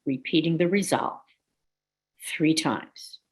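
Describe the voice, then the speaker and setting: A woman guiding a relaxation meditation in a slow, soothing, gently instructive way. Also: low voice, breathy edge. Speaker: meditation guide.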